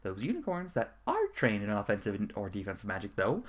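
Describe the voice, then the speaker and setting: A man's voice: on the low side, wildly swooping pitch, a little fast. A man giving a dramatic, formal reading of a fan fiction letter as narrator, with the odd stumble.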